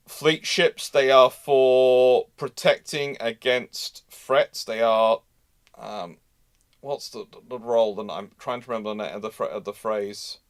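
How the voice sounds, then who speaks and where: A man hosting a live history question session, talking discursively and repeating phrases as he searches for words. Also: medium pitch. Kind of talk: live question-and-answer, thinking aloud.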